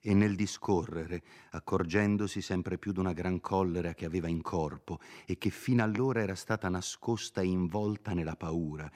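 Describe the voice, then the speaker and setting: A man reading a classic novel aloud in measured literary narration. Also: sits low, a little mellow. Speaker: reader.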